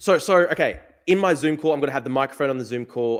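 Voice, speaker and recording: A man with an Australian accent, an animated tone, a very fast pace and ordinary pitch variation. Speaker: livestream debate host. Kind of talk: casual livestream chat. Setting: livestream with Zoom call.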